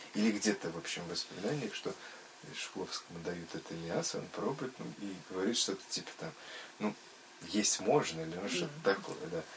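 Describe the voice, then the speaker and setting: A man with a fairly low pitch talks at a moderate pace, his pitch swinging very widely, with long, frequent pauses and noticeable background noise. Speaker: interviewer. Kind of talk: interview.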